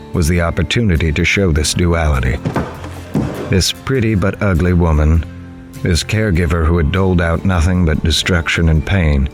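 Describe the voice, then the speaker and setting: Narrating a horror audio drama in the first person, a male actor takes on the role of a grave, observant newspaper reporter. His deep voice is lightly acted, measured and literary, and music sits behind the voice.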